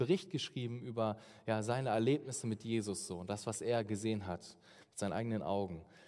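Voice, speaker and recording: Using a plain, everyday voice, a man talks at a medium pitch and a fairly quick pace. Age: 30s. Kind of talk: sermon. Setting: stage in front of a seated audience.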